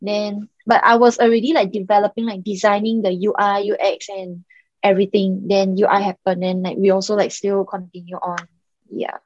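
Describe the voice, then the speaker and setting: A woman's voice: medium pitch, little pitch movement, moderate pace, darkish tone, lo-fi sound. A young Singaporean woman, a startup founder, chatting casually as a podcast guest and leaning on "like" and "um". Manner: chatty, many "like" and "um" fillers.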